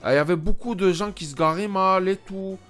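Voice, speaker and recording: A man streaming a roleplay game, playing a rough-talking gypsy job seeker who swears and mutters to himself. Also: high-pitched, fairly quick, soft background music. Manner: excitable, swearing, mumbling asides to himself. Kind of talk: GTA roleplay commentary in character.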